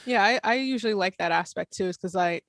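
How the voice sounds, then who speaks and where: Medium-pitched voice, creaky fry, casual co-judge, conversational, thinking aloud, faint music behind. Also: quick pace, fairly bright tone, dry recording. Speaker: co-judge of music challenge entries. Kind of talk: casual chat and commentary.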